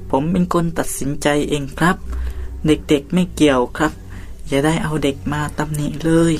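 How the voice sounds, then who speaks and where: A man's voice: fairly high pitch, close to an everyday voice. An actor playing a polite, loyal subordinate who humbly takes the blame for his boss.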